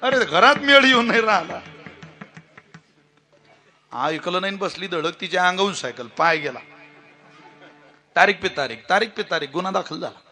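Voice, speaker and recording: A man's voice: sits high, expressive, normal speed, long pauses, bright, forceful tone. A male preacher giving a comic devotional kirtan, telling funny stories and chanting verses. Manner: storytelling with jokes and chanted verses.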